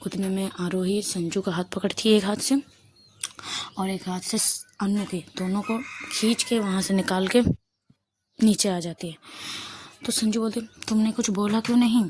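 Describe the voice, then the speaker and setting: A woman narrating a love story in a casual, soft-spoken way, often dropping to a whisper. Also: medium pitch, fairly even intonation, measured pace, pauses often, a little hiss or hum.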